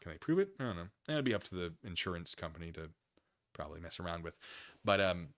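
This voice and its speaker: A man hosting a live stream, reading documents aloud and commenting casually with conversational, animated asides. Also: low voice, fast. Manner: conversational, animated asides, acts out imagined dialogue.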